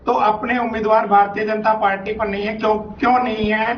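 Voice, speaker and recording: A high, flat-toned man speaks as a party spokesman on a remote line. His voice comes back with a heavy, cave-like echo, as if from far off. The audio is dull and muffled, and he hammers the same slogans again and again. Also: brisk, slight background noise. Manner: insistent, speaks in repeated campaign slogans. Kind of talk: debate-show guest answering questions.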